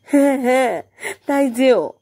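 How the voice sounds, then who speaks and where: Woman reader as anxious secretive wife, raised pitch, slow emphatic phrasing, urgent, audiobook drama. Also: lively intonation, mellow, heavily acted. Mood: urgent pleading. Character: distraught secretive married woman, pleading and commanding.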